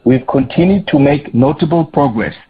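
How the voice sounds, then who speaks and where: Male CEO, husky voice, formal scripted business read, slightly lo-fi call sound. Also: mid-range voice, animated. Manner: formal, measured business delivery. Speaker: chief executive. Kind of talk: prepared earnings call remarks, read out. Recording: slightly dull, lo-fi conference call audio.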